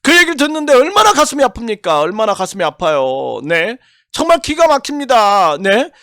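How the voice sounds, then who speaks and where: A man's voice: extremely high pitch, big pitch swings, moderate pace, fairly bright tone, dry recording, studio quality. An older man giving impassioned political commentary, indignant and full of rhetorical questions and repeated phrases. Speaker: YouTube commentator.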